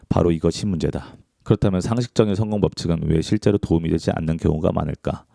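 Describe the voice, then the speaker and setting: A man with a very low, gravelly voice reads a book aloud in a calm, measured audiobook style. His tone is dark and mellow, and the recording is close and dry with no room sound. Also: no echo. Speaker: book reader.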